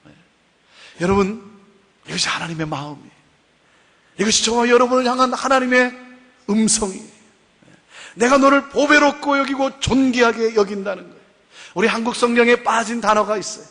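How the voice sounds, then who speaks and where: A woman's voice: a little high, brisk, pauses often, a bit bright. Lady lecturer preaching, leans hard on repeats and rhetorical questions, long hall reverb on the voice. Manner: emphatic, repeats key phrases, asks rhetorical questions. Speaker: Christian seminar lecturer.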